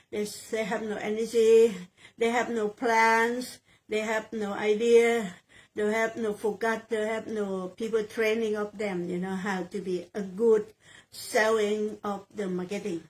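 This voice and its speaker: A Thai real estate sales agent in her sixties answers interview questions in halting, Thai-accented English, repeating phrases while searching for words. Her pitch is fairly high, and the recording quality is low.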